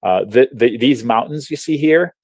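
A man from Lebanon, an options trading educator, explaining charts on a video call in a chatty, animated way with slang and frequent restarts. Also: mid-range voice, moderate pace, breathy edge, no room sound. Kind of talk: casual webinar explanation while sharing charts.

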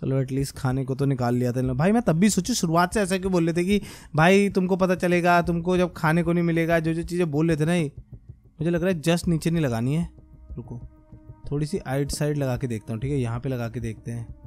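A young man commenting on his own gameplay as a gaming creator, muttering as he works and then bursting into excited shouts. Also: a little high, fairly quick, soft background music. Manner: talks to himself and viewers, swings from muttering to excited shouts. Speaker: gaming YouTuber.

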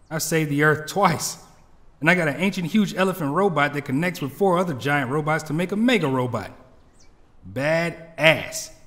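Guy doing cocky teen boy hero, higher voice, audio drama, echoey reverb. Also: a bit bright. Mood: upbeat.

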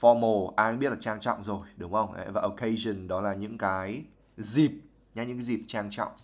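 A man's voice: on the low side, steady tone, normal speed. A young Vietnamese man teaching English vocabulary on a live stream. He reads passages from a novel aloud and then explains each word at length, mixing English terms into his talk.

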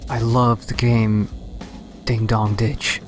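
A man's voice: on the low side, little pitch movement, slow, music in the background. A man co-commentating on a video game with casual reactions. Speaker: let's play co-commentator.

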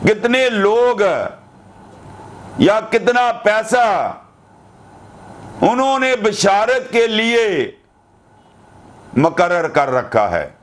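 An older man preaching a sermon to camera, earnest and deliberate, asking rhetorical questions. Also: high voice, animated. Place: indoor studio with curtain backdrop.

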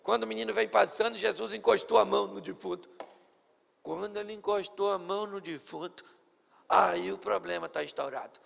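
High, gravelly man preaching. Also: brisk, a bit bright, long reverb tail. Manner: theatrical, playful. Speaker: pastor. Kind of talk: sermon. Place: church service.

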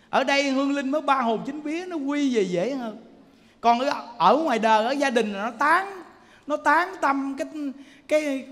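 Animated preacher in a hall. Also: male voice, very high voice. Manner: animated, folksy, keeps asking the listeners if they understand. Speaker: Buddhist teacher giving a dharma talk. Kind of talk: sermon. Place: temple hall. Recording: long hall reverb.

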